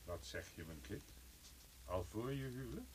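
An actor playing a pompous, unctuous Catholic priest in a radio play, preaching solemnly. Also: male voice, medium pitch, expressive, normal speed, a little mellow, close to an everyday voice. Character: sanctimonious, threatening male Catholic priest counselling his flock. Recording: noisy old radio recording.

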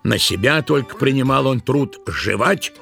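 A man narrating a literary tale in an expressive, theatrical storytelling style. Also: mid-range voice, normal speed, vocal fry. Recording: music behind the narration.

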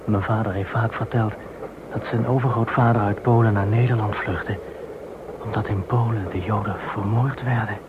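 A man in a radio play acting a devout Jewish man facing deportation, telling things in a solemn, measured way. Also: on the low side, steady tone, close to an everyday voice. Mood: grave, devout. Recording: muffled phone-like band, clear hiss.

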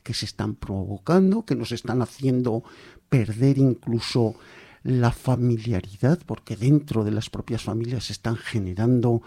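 Casting: male host, husky and informal, streaming on a headset. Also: mid-range voice, normal speed, dark tone. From Aragón, Spain. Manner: informal, hesitant, colloquial. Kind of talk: casual online interview. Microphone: headphones with mic, remote stream.

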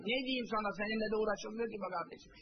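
High-voiced male preacher, lo-fi recording. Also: fairly even intonation, rapid-fire, noisy background. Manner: asks rhetorical questions and answers them himself; quotes Arabic phrases and translates each one. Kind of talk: religious talk to a congregation.

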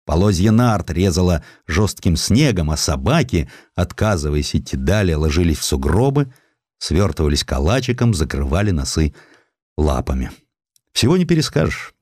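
A man reading scripted historical sketches as an audiobook narrator, in an expressive storytelling manner. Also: low-pitched, moderate pace, dry recording, clean studio sound.

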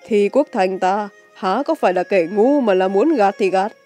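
A woman's voice: mid-range voice, moderate pace, warm tone, soft background music, natural voice. Woman putting on a smug, taunting young swordsman villain. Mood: loud, boastful. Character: mocking, boastful young male villain swordsman.

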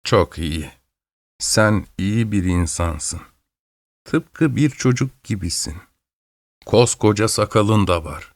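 A severe, devout old woman lectures in a slow, reproachful cadence, as a male storyteller reads her part. Her voice sits fairly low and sounds close and dry, with no room around it. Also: animated, dry recording. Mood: lecturing. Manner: slow, scolding, sermonizing. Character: stern pious old woman preaching.

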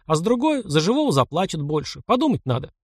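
A man's voice: on the high side, big pitch swings, fast talker, breathy edge, dry recording, clean studio sound, voice pushed up. A man voicing a sly, ruthless young frontier fighter who talks in mocking, clipped commands. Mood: mocking threat.

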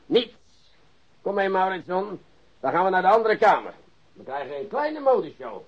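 A sardonic, exasperated police investigator in a radio drama, with a highish voice that swings widely. He scolds and bullies theatrically, and the recording is dull and muffled. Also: big pitch swings, moderate pace, breathy edge, full character voice. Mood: brisk, sardonic.

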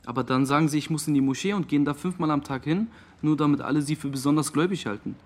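A man's voice: a little high, very fast, lightly acted. An actor playing a defensive young Muslim man, speaking slangy testimony in a naturalistic radio drama. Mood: earnest. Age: young adult. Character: defensive young Muslim friend of a missing teenager.

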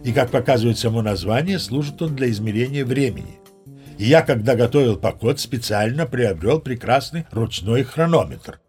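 An actor playing a seasoned old sea captain who narrates tall tales as a chatty, mock-dignified raconteur. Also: male voice, mid-range voice, lively intonation, normal speed, darkish tone, faint music behind, lightly acted. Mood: chatty, wry. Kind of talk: dramatized storytelling narration.

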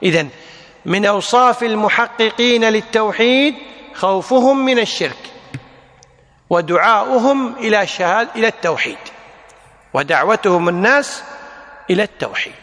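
A man teaching a religious lesson, explaining a text deliberately and repeating key phrases for emphasis. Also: sits high, animated, fairly bright tone, in a large hall. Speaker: Islamic teacher.

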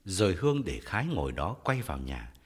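A man reading a story aloud in a dramatic style, expressive and shifting to loud angry character voices. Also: sits low, brisk, slightly rough. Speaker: audiobook narrator. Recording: long hall reverb with faint music.

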